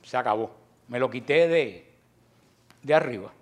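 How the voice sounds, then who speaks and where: A middle-aged Cuban man talking as a Catholic preacher, forceful and emphatic, with joking asides and sudden drops to a low voice. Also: animated, a little slow. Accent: Cuban Spanish. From Cuba. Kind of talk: impassioned religious talk.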